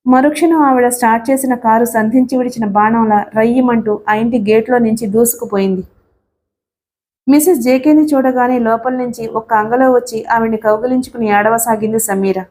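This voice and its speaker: A woman's voice: a little high, darkish tone. A woman narrating an audiobook story, voicing every character's dialogue in her own voice.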